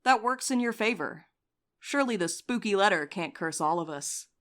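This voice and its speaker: A woman voicing a composed, wry courier in an audio drama, calmly taking charge and teasing the others. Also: mid-range voice, moderate pace, natural voice. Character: dry, scheming woman courier, coolly in charge. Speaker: night courier Val.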